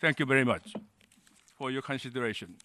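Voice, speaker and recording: A man delegate at a conference, making a formal statement and pausing often with fillers. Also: mid-range voice, bright, forceful tone, no echo. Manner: halting, many uh fillers, formal. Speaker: delegate asking a question. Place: conference hall.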